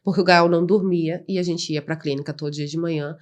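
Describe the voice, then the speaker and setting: A woman's voice: fairly low pitch, steady tone, fast, muffled recording. A Brazilian woman, a mother telling her story in a podcast interview, blunt and impassioned. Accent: Brazilian Portuguese. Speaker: guest, mother of an autistic child.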